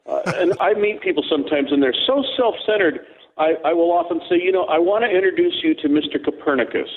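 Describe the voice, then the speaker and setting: Over a tinny phone line, a fast-talking man with a slightly high voice co-hosts a radio talk show. He jokes and rambles while telling stories.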